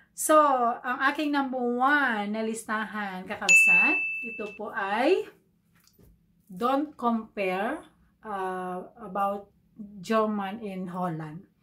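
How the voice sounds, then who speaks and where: A woman's bright, sharp, fairly high voice with lively intonation, at a very slow pace with long, frequent pauses. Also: big swings in loudness. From Philippines, Ilocano-speaking; Philippines. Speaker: vlogger. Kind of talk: casual vlog talk to camera; casual vlog chat. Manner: hesitant, many fillers. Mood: friendly, smiling. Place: home room. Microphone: phone near.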